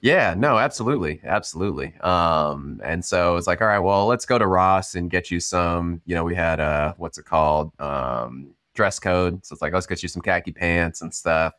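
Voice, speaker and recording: A man born in Cameroon, a startup founder, talking through his story in a relaxed, chatty way with lots of ums and you-knows. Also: low-pitched, moderate pace, hardly any pauses, no echo, clean studio sound. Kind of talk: casual storytelling interview.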